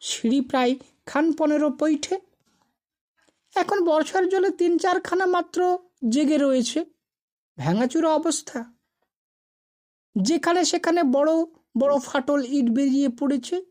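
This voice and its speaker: Woman, storyteller, high-pitched voice, scripted ghost story narration. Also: measured pace, pauses often, a little mellow.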